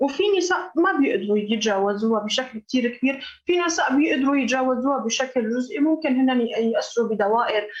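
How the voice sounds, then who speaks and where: A woman's high-pitched voice with lively intonation, very even loudness and hardly any pauses, over noticeable background noise. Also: fairly quick pace. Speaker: community leader. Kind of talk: radio interview.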